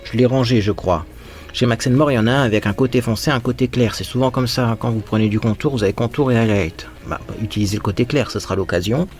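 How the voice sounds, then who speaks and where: A man's voice: mid-range voice, quick pace, darkish tone. Man, makeup tutorial host, chatty and playful, mid-range voice, faint music behind. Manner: chatty and playful, with little sound words; talks to viewers while applying makeup. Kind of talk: casual makeup tutorial chat.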